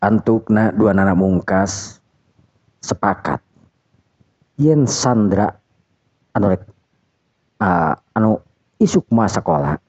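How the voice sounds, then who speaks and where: Deep-voiced male folk storyteller. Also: animated, slow pace, long pauses, a little mellow, dry recording. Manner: rambling, self-correcting storytelling. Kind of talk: folk tale narration. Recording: dull dry lo-fi recording.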